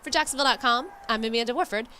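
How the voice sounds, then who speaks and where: A woman's voice: on the high side, rapid-fire, pushed and bright, slight background noise. A woman reading scripted news narration as a multimedia reporter.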